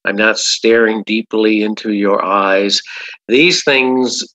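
A man's voice: lowish voice, fairly even intonation, slow, sharp tone, poor audio. A man, a hypnotherapist guest in an interview, talking emphatically and often repeating "absolutely". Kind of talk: casual interview talk.

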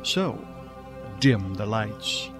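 A man hosting as director, giving a theatrical scripted radio introduction with dramatic, deliberate pauses. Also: fairly low pitch, sing-song, over music. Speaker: director and host.

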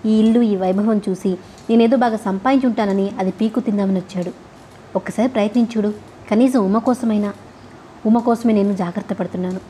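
A woman's voice: mid-range voice, steady tone, fairly quick, dark tone, a little hiss or hum. A woman narrating a novel, reading every character's lines herself in her own voice. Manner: reads all characters' dialogue in the same voice.

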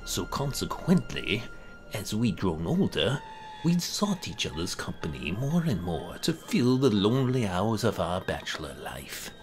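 A man narrating a horror story in a deliberate, theatrical and sometimes hushed manner. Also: medium pitch. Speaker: narrator, amateur voice actor. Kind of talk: dramatic scripted horror narration.

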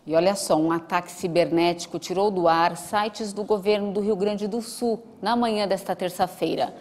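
A woman in her thirties presenting the news with a steady, formal delivery on a lapel mic. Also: medium pitch, normal speed. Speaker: news anchor. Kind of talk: live newscast reading. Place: outdoor studio set with trees.

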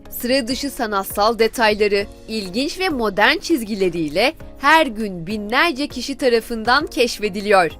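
A woman hosting a travel show, guiding viewers through an outdoor park in an enthusiastic, chatty way. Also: fairly high pitch. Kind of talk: travel show presenting, part narration.

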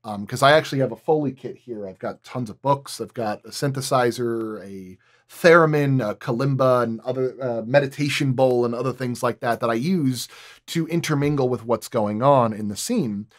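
A man talking casually as a guest sound designer on a podcast, explaining in a halting way as he thinks aloud. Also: mid-range voice.

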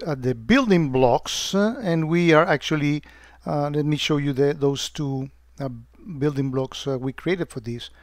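A man walking through a security software demo on screen, talking loosely with many "uh"s and restarts. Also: a little high, no echo, studio quality. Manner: hesitant, many fillers and restarts.

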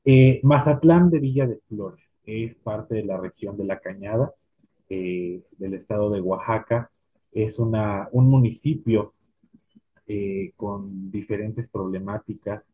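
A man's voice: on the low side, slow pace, breathy edge. A man in his thirties hosting a formal interview for a cultural institute over a video call, hesitant with many "eh" fillers. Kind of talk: formal live interview host. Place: small home room. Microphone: earphone mic on video call. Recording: tinny phone-like video call line.

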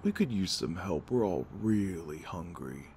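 Man acting as menacing vampire gang leader, very low voice, mocking, swaggering, audio roleplay, faint noise behind. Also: animated, a little slow, creaky, a little mellow, heavily acted. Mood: mocking menace. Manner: taunting, sneering, swaggering.

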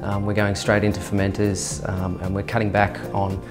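A man, speaking as a winemaker in a filmed interview, measured and dotted with fillers. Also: on the low side, completely flat delivery. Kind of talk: documentary interview. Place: indoor winery tasting room. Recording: music bed underneath.

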